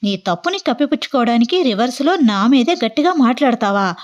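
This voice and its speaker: An arrogant young man barks accusations in a quick, bossy run of questions, as a woman narrator puts him on. The voice sits fairly high and the recording sounds dull and lo-fi. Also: expressive, lightly acted. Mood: indignant. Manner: bossy, rapid-fire interrogating.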